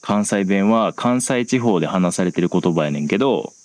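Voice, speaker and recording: A man's voice: low-pitched, lively intonation, moderate pace, a little mellow. A man with a Kansai accent, hosting a casual podcast chat in an easygoing way. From Japan. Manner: easygoing, frequent agreeing. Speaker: host.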